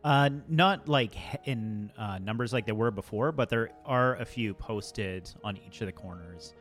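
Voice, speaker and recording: Casting: low-voiced man, game master, halting improvised narration, faint music behind. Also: fairly bright tone. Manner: halting, filler-heavy improvising.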